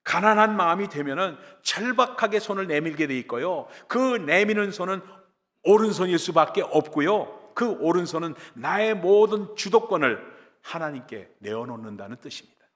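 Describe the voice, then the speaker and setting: A male pastor preaching a sermon, telling a story with dramatic swings between loud and quiet. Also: high voice, animated, normal speed, long reverb tail.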